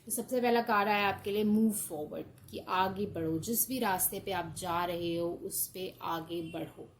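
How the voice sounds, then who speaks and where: A woman's voice: medium pitch, fairly even intonation, moderate pace, slight background noise, poor audio. A woman doing a casual tarot card reading, reassuring her listeners and mixing in English. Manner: reassuring, often checks in with "okay" and mixes in English.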